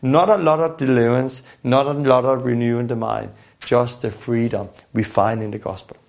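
A man's voice: medium pitch, steady tone, normal speed, vocal fry, a little mellow. A man giving an earnest teaching lesson, often repeating words and restarting phrases. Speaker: teacher on deliverance ministry. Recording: dull lo-fi recording.

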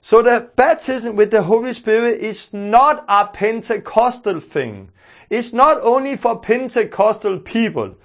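A man's voice: very high voice, lively intonation, unhurried, lo-fi sound. A man with a Danish accent, teaching a sermon in an earnest, emphatic way, repeating his key phrases. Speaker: preacher.

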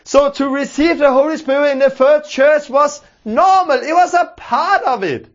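A man's voice: extremely high pitch, moderate pace, lo-fi sound. A man with a Danish accent, teaching a sermon in an earnest, emphatic way, repeating his key phrases. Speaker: preacher.

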